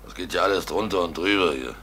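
Troubled village innkeeper in a radio play, very low and sharp-edged in voice. He grumbles wearily and haltingly, with faint noise behind him. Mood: resolving, weary. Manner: halting, weary. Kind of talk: German radio drama acting.

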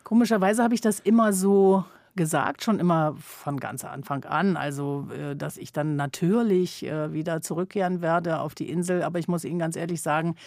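A woman's voice: sits low, normal speed, few pauses, a little mellow, no room sound, studio quality. A woman in her fifties from northern Germany, a journalist answering interview questions in a reflective way with frequent hesitations. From Sylt, northern Germany. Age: 50s. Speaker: journalist and author, guest. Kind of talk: conversational radio interview.

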